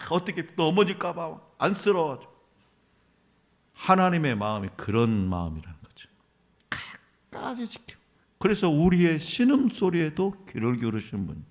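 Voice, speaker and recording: A man's voice: fairly high pitch, fairly bright tone. A man preaching a sermon as a pastor in a church, emphatic, asking the congregation questions and answering them himself. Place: church sanctuary.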